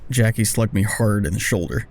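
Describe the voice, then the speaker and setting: A man's voice: fairly low pitch, fairly quick, noisy background, lightly acted. An actor with an American accent playing a hapless, charming young man who tells his own story in an audio drama with wry self-deprecation. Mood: wry, rueful. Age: young adult. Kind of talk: audio drama first-person narration and dialogue.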